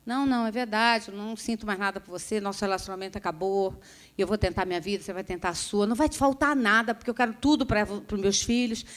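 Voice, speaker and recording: A woman voicing a husband who announces he is leaving, speaking in a quiet, matter-of-fact way. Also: medium pitch, fairly even intonation, fast talker, natural voice. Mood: cold. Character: calm, cold husband leaving his wife.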